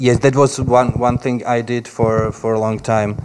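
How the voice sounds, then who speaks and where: Over noticeable background noise, a man with a Slovak accent speaks at medium pitch in a monotone, flat intonation. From Slovakia. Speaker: actor. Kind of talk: panel discussion. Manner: halting, searching for words.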